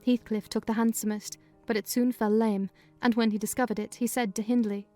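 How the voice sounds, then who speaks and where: A woman giving a dramatized first-person reading of a classic novel in measured, clear storytelling. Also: on the high side, flat delivery, warm tone, soft background music. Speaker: reader of a novel.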